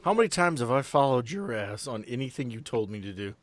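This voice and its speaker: A man's voice: medium pitch, sing-song, fairly quick, fairly bright tone, no room sound. A man speaking casually as game master of a tabletop roleplaying game, slipping between narration and sweary banter.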